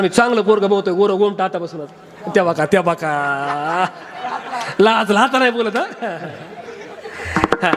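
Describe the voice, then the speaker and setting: A male kirtan preacher giving a comic sermon, teasing and quizzing his audience at a live gathering. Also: high voice.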